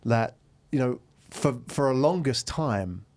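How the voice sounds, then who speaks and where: A man's voice: medium pitch, animated, takes it slowly, darkish tone, no room sound. A man hosting a conversational business interview in a studio, explaining at length and often checking in with tag questions. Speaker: host interviewer.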